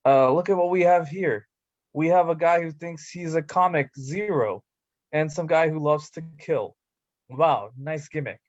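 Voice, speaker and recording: A man's voice: on the high side, unhurried, dry recording, muffled recording. A man doing an amateur staged reading of wrestling promos, with casual asides, over an online call.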